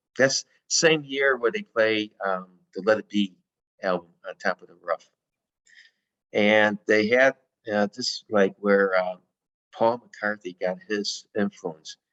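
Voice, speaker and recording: This man talks at a very slow pace with fairly low pitch, ordinary pitch variation, and long, frequent pauses. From Chicago. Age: 60s. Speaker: poet. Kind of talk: interview. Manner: halting.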